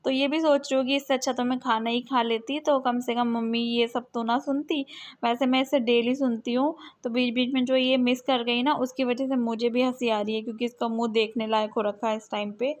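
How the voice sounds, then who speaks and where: A woman's voice: a little high, level tone, a little fast. A woman in her thirties, a mother and vlogger, narrating her home vlog as a voice-over in a chatty, conversational way, often tagging her sentences with little questions to the viewer.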